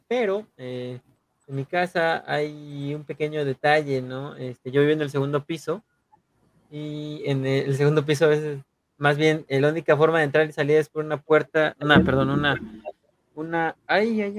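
A Mexican man hosts a casual chat in a fairly high voice with a dry, close sound. His talk is colloquial street slang, and he halts and repeats phrases as he goes. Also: steady tone, moderate pace, no echo. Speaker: podcast host.

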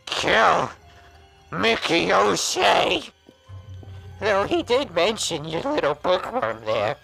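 An actor playing a sadistic, vengeful monster in a horror audio drama, with gravelly, mocking menace. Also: mid-range voice, very animated, sharp tone, soft background music, heavily acted, low-quality recording. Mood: vengeful, taunting. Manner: menacing, drawn-out, mocking taunts.

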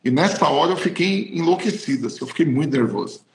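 A man's voice: fairly high pitch, expressive, fast talker, darkish tone. A man, a pastor, telling a personal testimony in an emotional, emphatic way. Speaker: pastor and podcast host. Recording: roomy echo.

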